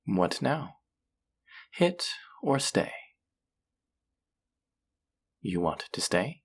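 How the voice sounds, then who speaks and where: A woman voices a seductive demon dealer from an underworld casino in an audio roleplay. The voice sits low and crackles with fry, lingering unhurriedly over each tease. The delivery is flirty, possessive and taunting, sliding up and down as if toying with a captive player. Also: big pitch swings, exaggerated voice. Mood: teasing, inviting. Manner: slow, teasing, flirtatious, taunting. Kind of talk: flirty roleplay audio drama, intimate one-on-one.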